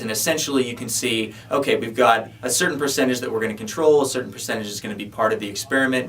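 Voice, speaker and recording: A man's voice: mid-range voice, fairly bright tone. A man co-hosting a question-and-answer show, presenting questions and giving orderly advice. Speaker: co-host. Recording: distant mic pickup.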